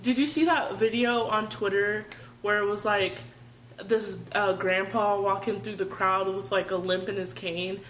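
A woman's voice: medium pitch, fairly even intonation, a little slow, a bit bright, dull audio. A woman in her early twenties chatting casually and swearing often, saying "dude" a lot. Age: 20s. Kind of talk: casual chat. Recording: echoey room with faint background noise.

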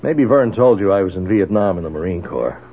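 An actor with an American accent playing a brash, tough ex-Marine in a 1970s radio drama, casual and probing in manner. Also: male voice, deep voice, animated, a little fast, slightly rough, full character voice. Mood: earnest, contrite. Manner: hesitant interjections, casual, probing. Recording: muffled tinny 1970s radio broadcast.

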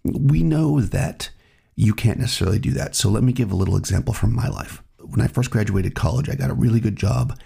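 A man hosting his own podcast, talking in a relaxed, reflective way while he has a cold. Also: fairly low pitch, a little fast, vocal fry, slightly rough. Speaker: podcast host. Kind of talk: solo podcast monologue.

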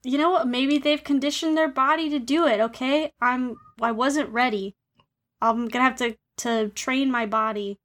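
High-pitched woman, podcast co-host, playful dramatic storyteller. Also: fairly even intonation, moderate pace, a bit bright. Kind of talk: casual chat.

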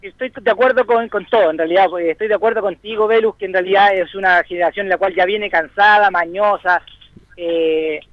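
A man's voice: high-pitched, brisk, no echo. A man on a sports panel, talking with many fillers and restarts. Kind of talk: sports talk debate. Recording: tinny phone-line sound.

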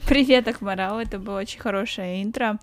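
A woman's voice: medium pitch, fast talker. A young woman from Kazakhstan co-hosting a podcast, speaking casually and earnestly. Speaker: podcast co-host.

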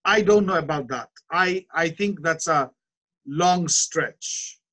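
A man giving a measured Bible teaching lecture. He explains step by step, pausing often and asking rhetorical questions. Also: on the high side, fairly bright tone.

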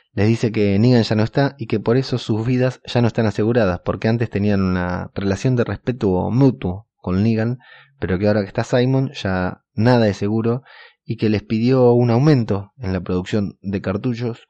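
Male podcast host, very low mellow voice, steady recap delivery, dry dull lo-fi sound. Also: dry recording. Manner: steady retelling with occasional filler pauses. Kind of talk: scene-by-scene episode recap.

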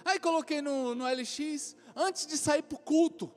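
A man's voice: very high-pitched, a little slow, long reverb tail, faint music behind. A Brazilian man, a pastor, preaching a sermon, telling funny stories and acting out the voices of the people in them. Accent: Brazilian Portuguese. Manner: animated storytelling, acts out other voices, laughs often. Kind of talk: sermon with acted anecdotes.

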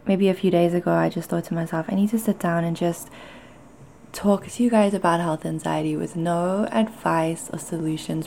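A woman's voice: lowish voice, vocal fry, mellow, slight background noise. A woman with a mixed South African and Canadian accent, talking candidly and conversationally to listeners as a podcast host, hesitating as she goes. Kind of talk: personal confessional talk to listeners.

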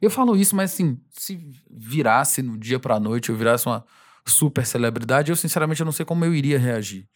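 A male singer talking casually in an interview. He rambles freely, laughs often and slips into quick impressions of fans. His voice sits at an ordinary pitch. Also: animated.

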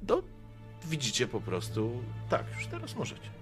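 A man's voice: mid-range voice, wildly swooping pitch, moderate pace, a bit bright, faint music behind. A young man acting as game master, narrating a tabletop game with vivid, dramatic scene descriptions.

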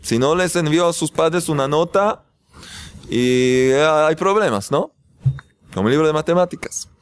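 A man teaching a spiritual class, telling stories and acting out shouted scenes, repeating key phrases for emphasis. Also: fairly high pitch, a little slow, clear, resonant tone. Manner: animated storytelling, acts out shouted scenes. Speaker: religious teacher.

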